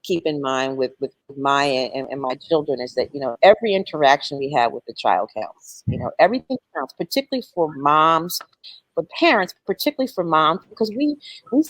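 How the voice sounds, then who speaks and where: A woman's voice: sits low, animated, brisk, no room sound, low-quality recording. A middle-aged woman hosting a church panel conversation, chatty and laughing easily. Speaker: panel host.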